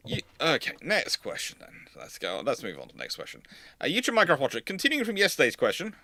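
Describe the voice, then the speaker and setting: Bright-voiced man hosting a dry, close-miked livestream. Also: mid-range voice, dry recording. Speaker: host of a naval history livestream. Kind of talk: casual panel chat and commentary.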